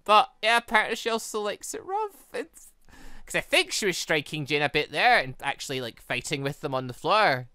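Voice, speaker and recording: Gaming host, very lively swooping pitch, bright tone, casual rambling commentary, close dry sound. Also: a little fast, smooth, no room sound.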